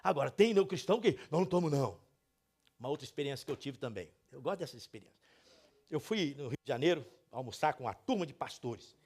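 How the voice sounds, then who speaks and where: A male pastor preaching a sermon, telling stories with sudden swings between loud and soft, and speaking directly to the congregation. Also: mid-range voice, expressive, quick pace, breathy edge.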